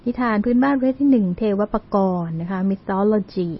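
A Thai woman who presents for a university learning centre gives an educational talk on community radio, speaking politely with frequent particles and some English terms. Her mid-range voice has lively intonation and a breathy edge at a moderate pace, on a dull, lo-fi radio recording.

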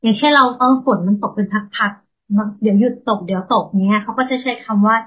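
A woman's voice: mid-range voice, brisk, breathy edge. A woman co-hosting a radio vocabulary chat, patiently explaining English words and spelling them out, heard through a dull lo-fi radio sound. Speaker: radio co-host.

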